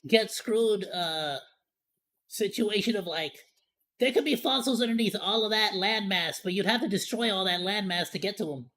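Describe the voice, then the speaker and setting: A woman's voice: medium pitch, normal speed, a bit bright. A woman streamer giving casual live reaction commentary, talking in an informal, joking, slangy way with some mild swearing.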